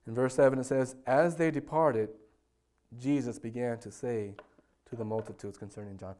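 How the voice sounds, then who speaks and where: A man preaching a sermon, telling stories with sudden loud bursts and hushed, quiet asides. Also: mid-range voice, fairly even intonation, moderate pace. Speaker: pastor.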